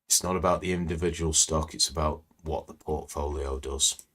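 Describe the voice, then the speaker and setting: A man hosts a live stream, commenting on stock screens in a rambling, conversational way full of fillers. His voice is croaky and a little hoarse today. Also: a bass voice, steady tone, moderate pace, a bit bright. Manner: conversational, rambling, many "you know" fillers. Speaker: trading educator hosting live stream.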